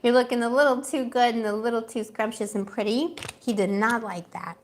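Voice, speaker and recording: A woman's voice: a little high, fairly even intonation, brisk, a little hiss or hum. Chatty, gossipy woman reading tarot. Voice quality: gossipy, chatty, laughs often. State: losing her voice. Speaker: tarot reader. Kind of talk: casual livestream tarot reading.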